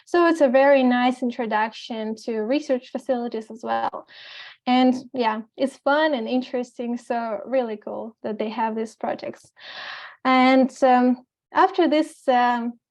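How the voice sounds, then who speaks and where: A woman's voice: on the high side, unhurried, darkish tone. A woman in her twenties from Kazakhstan, giving an earnest, enthusiastic slide talk as an alumni speaker over a video call. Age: 20s.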